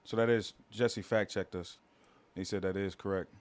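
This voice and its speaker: A man's voice: low-pitched, fairly even intonation, moderate pace. A man hosting a casual podcast interview, agreeable and giving reflective follow-ups to his guest. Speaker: podcast host.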